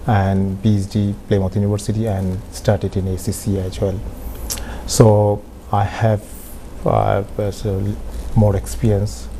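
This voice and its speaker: A man's voice: lowish voice, dark tone, rough recording. Hesitant Bangladeshi-accented male guest. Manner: hesitant, frequent "you know" fillers. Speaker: studio guest. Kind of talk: self-introduction on a talk show. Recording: faint background noise.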